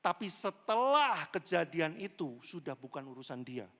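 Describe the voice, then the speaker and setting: High-voiced animated pastor in a reverberant hall. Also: male voice, normal speed. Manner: animated storyteller, switching voices for characters. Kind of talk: lively sermon with acted-out dialogue. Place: large church hall.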